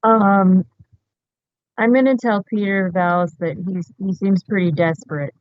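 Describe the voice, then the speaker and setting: A man's voice: sits high, steady tone, a little slow, clean tone, no room sound, lo-fi sound. A man playing a tabletop game, making short, thoughtful remarks. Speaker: player. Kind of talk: casual tabletop play.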